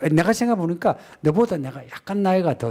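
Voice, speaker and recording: A man's dark, mellow tone at a fairly slow pace, on a very clean recording with a silent background. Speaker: pastor. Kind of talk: sermon. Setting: church service. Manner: conversational, addresses congregation directly.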